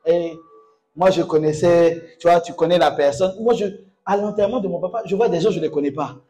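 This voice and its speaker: A man preaching a sermon as pastor, exhorting the congregation with call-and-response and bursting into loud exclamations. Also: a little high, brisk, soft background music.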